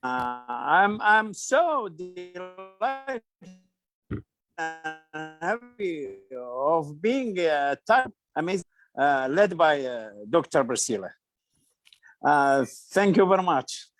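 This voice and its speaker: Older Iraqi man, high-pitched and halting. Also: very animated, over music. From Iraq. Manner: halting, with long hesitations. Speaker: retired English teacher. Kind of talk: self-introduction in an online group lesson.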